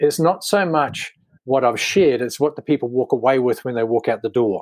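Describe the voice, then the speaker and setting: Fairly quick in pace, a man talks with a New Zealand accent and ordinary pitch variation. The sound is dry and close, with no echo. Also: medium pitch for a man. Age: 60s. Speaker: leadership coach. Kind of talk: podcast interview.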